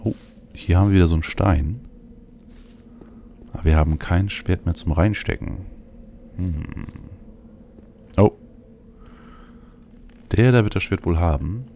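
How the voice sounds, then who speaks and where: Deep, creaky-voiced male let's player. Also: a little slow, long pauses, mellow, slight background noise. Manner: thinks aloud, speaks as "we". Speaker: let's play host. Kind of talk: casual video game commentary. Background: faint game ambience.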